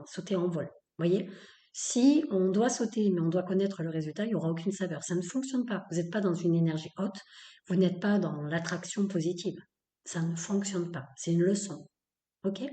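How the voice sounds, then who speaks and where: Female podcast host, low mellow voice, blunt and emphatic, echoey room. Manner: emphatic, repetitive, with many fillers; blunt, opinionated. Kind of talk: spoken-word episode.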